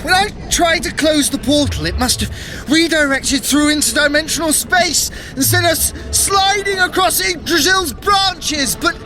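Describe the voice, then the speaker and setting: An actor playing a smug, sardonic trickster god with a dry, self-satisfied manner in an audio adventure drama. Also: male voice, extremely high pitch, unhurried, pushed and bright, a faint crowd, full character voice, low-quality recording. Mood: rattled, flippant. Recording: music behind the voice.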